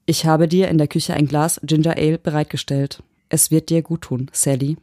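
A possessive house AI, voiced by a woman in an audiobook, speaking with flat, mechanical patience. The tone is mellow and unhurried. The sound is dry and close. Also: low-pitched, dry recording, lightly acted. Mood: cold, devoted. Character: possessive smart-home AI, a dead husband's mind. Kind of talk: audiobook reading.

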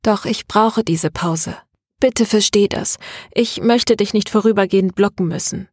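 A woman's voice: mid-range voice, a little slow, darkish tone, slightly rough, dry recording, clean studio sound. A woman reading the part of a troubled, tense young woman who talks in an earnest, hesitant way. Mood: pleading.

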